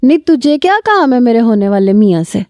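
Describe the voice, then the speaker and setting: A young village bride with a thin, high, Punjabi-tinged voice, as a woman storyteller puts her on. The tone underneath stays very dark and warm, pitched well up. It is recorded dry and close, with no room around it. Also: animated, no room sound, highs cut off, natural voice. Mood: sharp. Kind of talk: storybook reading.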